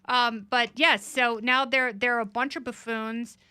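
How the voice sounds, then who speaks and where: A woman guest-hosting a casual political podcast, quick and sarcastic with jokey asides. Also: fairly high pitch, fairly even intonation, sharp tone, smooth, no echo. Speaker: guest host.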